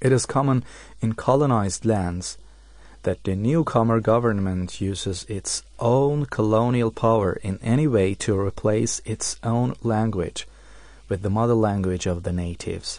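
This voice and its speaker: A man speaks fairly slowly at a fairly low pitch, with ordinary pitch variation. The background is quiet. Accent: Azerbaijani. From South Azerbaijan (northwest Iran). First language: Azerbaijani Turkish. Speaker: activist. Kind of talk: reading aloud.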